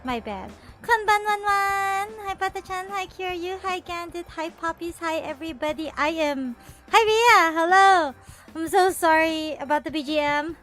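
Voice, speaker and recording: High-voiced chatty woman streamer. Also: moderate pace, fairly bright tone. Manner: chatty and rambling, with many restarts; bubbly, laughs often. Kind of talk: casual chat stream. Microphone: earphones with a desktop mic. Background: faint background music.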